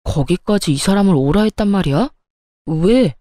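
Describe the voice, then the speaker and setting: A woman plays an exasperated young husband shouting at his mother in a story reading. The voice stays close to her own, mellow and dark in tone, recorded dry and close. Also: medium pitch, animated, normal speed, no echo, natural voice. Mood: angry.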